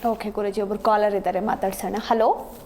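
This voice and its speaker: A woman hosting a live call-in show, asking callers brisk, businesslike questions. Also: mid-range voice, level tone, a little mellow. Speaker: show host.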